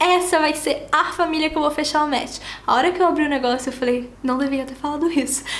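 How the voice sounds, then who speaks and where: A woman speaks at a high pitch and a very fast pace. There is audible room echo and noticeable background noise. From Brazil, interior of São Paulo state. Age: 20s. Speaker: flight attendant, former au pair. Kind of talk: casual personal story time. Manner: animated.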